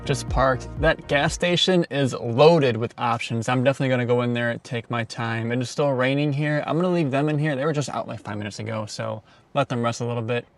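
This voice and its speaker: A road trip vlogger talks loosely to his camera with a middle-pitched male voice, drifting from one thought to the next and chuckling often. Soft music sits faintly beneath his voice. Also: brisk. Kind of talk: casual vlog chat.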